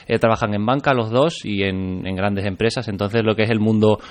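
A young man from Extremadura, Spain, appears as an interview guest, speaking thoughtfully with frequent small restarts. His voice sits on the low side, steady in tone and a little fast.

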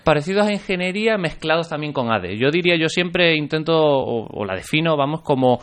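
A man's voice: on the high side, expressive, a little fast, fairly bright tone. A young man from Extremadura in Spain, speaking as an interview guest in a thoughtful manner with frequent small restarts. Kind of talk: interview conversation.

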